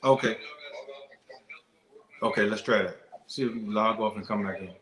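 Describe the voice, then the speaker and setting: A man who is a guest business owner on a live call-in show, his voice coming through robotic and glitchy over a lagging phone video call as he talks in halting, restarted sentences. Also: lowish voice, fairly bright tone, reverberant, low-quality recording. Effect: robotic, glitchy video-call audio.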